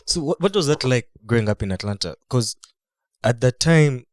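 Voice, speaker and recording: A man hosting a casual podcast, asking relaxed, probing follow-up questions. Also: mid-range voice, normal speed, no echo, clean studio sound. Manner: laid-back, probing questions. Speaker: podcast host.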